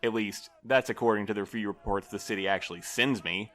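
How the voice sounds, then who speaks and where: A man's voice: fairly low pitch, brisk, a bit bright, natural voice. A man playing a harried, earnest station manager in an audio drama, formal and wordy in his delivery. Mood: grave, measured.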